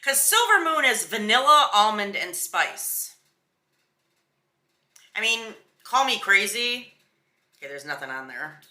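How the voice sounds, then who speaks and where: Woman, very bright forceful voice, emphatic and sassy, casual beauty reviewer, roomy echo. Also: mid-range voice, big pitch swings, a little slow, pauses often. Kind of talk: casual chatty product review.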